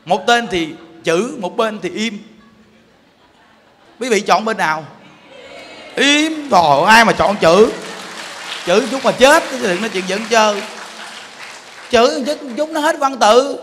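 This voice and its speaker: A man with a Southern Vietnamese accent giving a Buddhist sermon, animated and joking as he puts questions to his listeners. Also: sits high, normal speed, pauses often, in a large hall, slight background noise. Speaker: Buddhist monk preaching.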